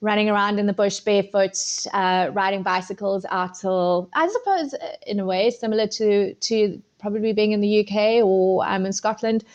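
A woman's voice: mid-range voice, normal speed, hardly any pauses, highs cut off. A middle-aged woman with a South African accent, a food photographer answering interview questions in a loose, rambling way full of ums and restarts. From Zimbabwe and South Africa. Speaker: podcast guest, food photographer.

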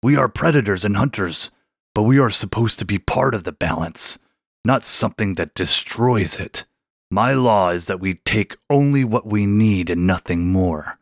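Storybook shark king, read by a man: low, growly, slow, stately, dry close sound. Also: dry recording. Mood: solemn. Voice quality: deep and growly. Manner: slow, solemn, stately speech. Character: huge ancient male king shark, grave and formal. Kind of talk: storybook character voice.

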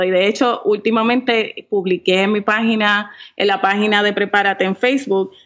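A woman's voice: mid-range voice, highs cut off. A woman podcaster chatting as an interview guest, laughing often, self-mocking and dropping in English words. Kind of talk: casual interview chat.

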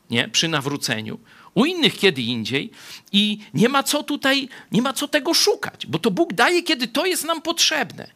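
Man, pastor, conversational sermon, animated swoops in pitch, bright forceful tone. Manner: conversational, frequent tag "nie?"; lively, swings between soft asides and raised emphasis. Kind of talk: sermon Bible study.

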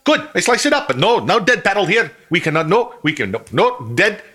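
A man putting on an excitable squeaky falafel seller. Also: fairly quick, exaggerated voice. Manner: exaggerated put-on foreign accent, high and squeaky. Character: excitable middle-aged man selling falafel, fussy.

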